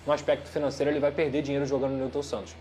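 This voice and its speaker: A man with a Brazilian Portuguese accent giving an animated, opinionated football analysis in a studio sports debate. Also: mid-range voice, racing. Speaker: sports commentator.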